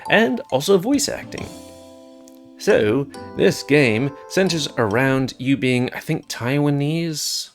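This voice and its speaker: Casting: casual game-video host, lower-middle voice, loose rambling delivery, music playing underneath. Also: lively intonation, takes it slowly. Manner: rambling, searching for words. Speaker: video host reviewing games. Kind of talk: casual rambling commentary over gameplay.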